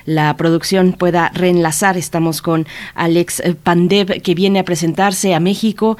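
A radio host, recapping the interview and announcing the guest in a smooth, flowing way. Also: mid-range voice, little pitch movement, unhurried.

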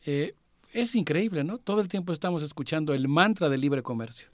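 A male radio co-host talks through world affairs in a careful, explanatory way. His voice sits somewhat high for a man and often stops on small "eh" fillers. The studio sound is dry and close. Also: no echo. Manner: measured, explanatory, with frequent "eh" fillers.

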